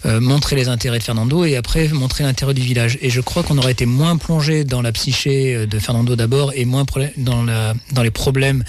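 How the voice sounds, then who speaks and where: A man reviewing comics in casual radio chat, thoughtful and halting, often repeating words. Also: medium pitch, fairly even intonation, noisy background.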